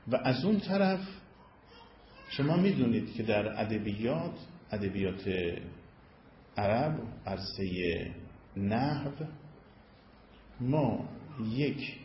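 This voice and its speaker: A man explains Arabic grammar as a religious teacher, lecturing patiently and often raising and lowering his pitch for emphasis. His intonation is lively, with long pauses. The recording is echoey, dull and lo-fi, with a slight hiss or hum.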